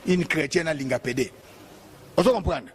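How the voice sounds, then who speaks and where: A man's voice: on the high side, normal speed, slightly rough. A man with a Congolese accent, a bishop giving a heated, emphatic, repetitive political monologue.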